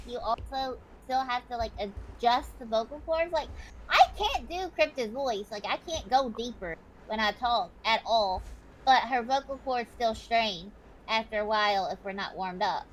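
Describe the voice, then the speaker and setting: A woman's voice: moderate pace, slight background noise, poor audio. A woman streamer chatting casually, talkative and swearing freely. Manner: high-pitched, calls own voice annoying. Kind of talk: casual chat.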